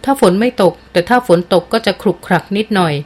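Veteran male hunter, calm and firm, kindly, read by a woman. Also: mid-range voice, fast talker, lightly acted. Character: seasoned male big-game hunter, calm, protective.

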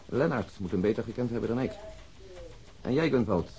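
A man playing a calm, practical and considerate police detective in a crime radio drama, plain-spoken and factual. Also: on the low side, brisk.

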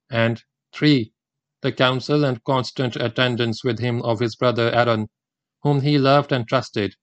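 An older man from India, whose first language is Gujarati, gives a formal religious lecture in a measured, deliberate way. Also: mid-range voice, no echo. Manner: measured, deliberate delivery with Quranic recitation.

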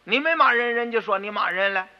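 A male storyteller voicing a humble, anxious old tofu-shop father who placates visitors and scolds his son gently, on a dull radio recording with long reverb. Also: high-pitched, lively intonation, fast talker, pitched above the performer's own voice. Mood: placating.

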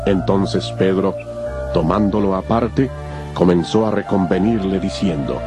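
A man narrating scripture from a script in a solemn, measured manner. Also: low voice, music in the background.

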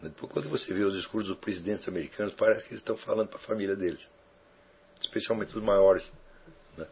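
A philosophy teacher lectures in reply to student questions, his voice husky and fairly low, and he talks fast. He rambles reflectively, frequently using tag questions. The recording is dull and lo-fi.

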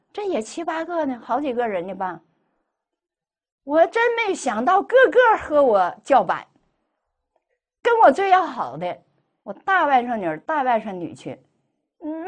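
A middle-aged woman tells a personal testimony as a Buddhist lay speaker, acting out the dialogue she quotes. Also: a little high. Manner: animated, acts out quoted dialogue.

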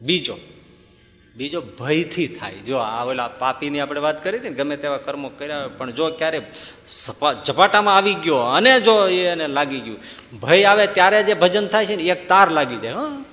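A man giving a devotional talk, telling a parable and acting out its characters' dialogue in an animated way. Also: a little high, moderate pace. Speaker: spiritual discourse speaker. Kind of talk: devotional storytelling sermon. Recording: long hall reverb.

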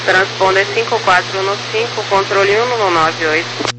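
A woman air traffic controller reading clipped procedural clearances over a crackly, military-style radio. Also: medium pitch, normal speed. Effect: radio transmission. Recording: very noisy crackly aviation radio.

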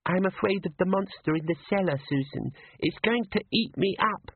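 A man's voice: high-pitched, lively intonation, normal speed, slightly rough, no echo, voice pushed up, heavily acted. A man voicing a small, frightened little girl with a timid, plaintive voice. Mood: scared. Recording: tinny phone-like band.

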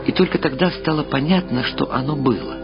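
A man's voice: on the high side, a little fast, voice pushed up, lightly acted. A man voicing a brooding, earnest young man in a reflective literary audio drama. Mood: wistful. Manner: wistful, reflective. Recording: dull lo-fi sound under loud music. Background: loud music.

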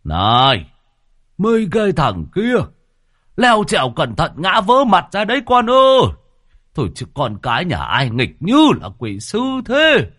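A man voicing an old male village teacher who shouts and scolds noisy children, in a high, loud, animated voice with a dry sound. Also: a little slow, exaggerated voice. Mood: scolding.

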